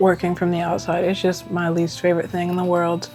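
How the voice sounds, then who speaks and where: A woman with a fairly low voice mumbles in a soft-spoken way. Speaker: crochet YouTuber. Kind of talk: casual crochet tutorial vlog. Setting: in bed at home. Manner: mumbling.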